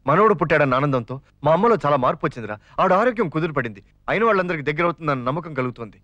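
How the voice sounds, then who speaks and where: An actor playing a fast-talking, scheming young father who pleads and teases his friend in a comic film scene. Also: a little high, lively intonation, fairly bright tone, no room sound, dull audio. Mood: pleading. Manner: rapid, jokey, wheedling. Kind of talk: 1990s Telugu film acting.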